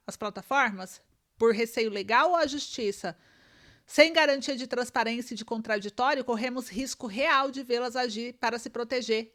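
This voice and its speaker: A Brazilian Portuguese-accented woman delivers online political commentary, reading news aloud to her viewers. Her voice sits high and sounds bright and sharp. She talks emphatically, pushing rhetorical questions at her audience.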